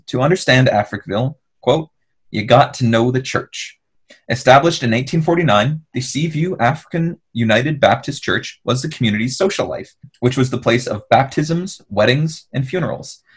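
A man's voice: mid-range voice, husky. A man hosting a podcast, telling a history story in a wry, casual way over a remote call. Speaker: podcast host. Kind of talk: storytelling narration with casual banter.

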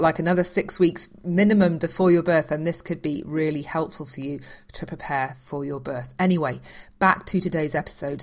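Chatty podcast host woman, lowish voice. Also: darkish tone. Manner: chatty, enthusiastic, repeats herself. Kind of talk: podcast intro and interview.

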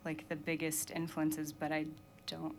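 A woman's voice: low-pitched, monotone, measured pace, a little hiss or hum. A young adult woman from Maine, a musician chatting casually in an interview, laughing often and filling her talk with "like" and "um". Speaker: musician guest.

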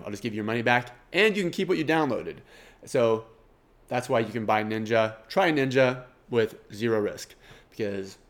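Middle-aged male podcast host, Kansas twang, nasal tone, casual rambling and self-deprecating delivery. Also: lowish voice.

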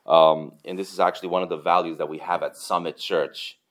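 A man in his forties with a Romanian accent, giving a relaxed, chatty church testimony full of fillers and soft chuckles. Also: low-pitched, fairly quick.

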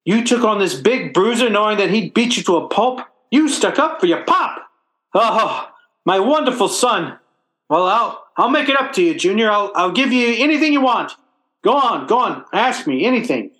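A man's voice: high voice, very animated, normal speed, bright, forceful tone, reverberant, heavily acted. An actor playing a blustering, self-pitying working-class father in old-time radio comedy style, with stammering, folksy, ungrammatical speech. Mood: touched.

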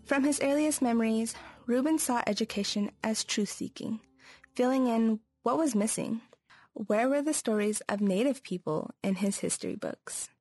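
A young woman in a calm, measured voice, narrating a radio documentary from a script as a student. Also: fairly high pitch, no echo, soft background music. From United States.

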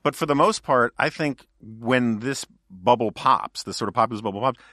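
A man's voice: medium pitch, normal speed, sharp tone, no echo, studio quality. A male podcast host in casual political chat, talking in a wry, joking, digressive way.

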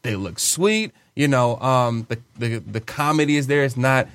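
A man co-hosting a podcast, talking in an animated, slangy way as a fan. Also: mid-range voice, normal speed, clear, resonant tone, no room sound. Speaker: podcast co-host. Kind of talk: casual chat.

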